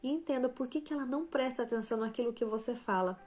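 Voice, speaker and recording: A woman with a somewhat high-pitched voice teaches her viewers on a live stream, with a motivational Christian tone. She moves between gentle and firmer emphasis and keeps checking in with quick "tá?" and "né?" tags. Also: soft background music. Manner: tags most phrases with "né?" and "tá?"; shifts between softer and stronger emphasis. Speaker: live stream host and author.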